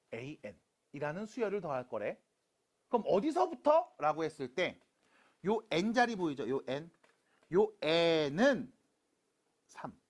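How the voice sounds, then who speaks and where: A math teacher lecturing high school students in a playful way, asking questions and answering them, with silly sound effects while writing. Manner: talks students through writing on a board.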